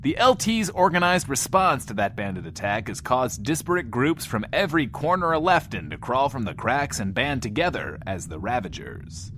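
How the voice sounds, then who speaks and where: Manic bunker radio host, lonely, theatrical, rambling, highly animated pitch, middle register, comic audio drama. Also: male voice, slight background noise. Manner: theatrical, rambling, refers to himself in third person.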